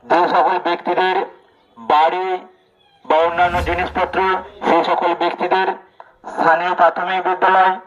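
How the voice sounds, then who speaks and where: A man reading a formal public warning through a loudspeaker, in a slow, measured, monotone way. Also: high voice. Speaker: panchayat announcer. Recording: dull lo-fi loudspeaker recording.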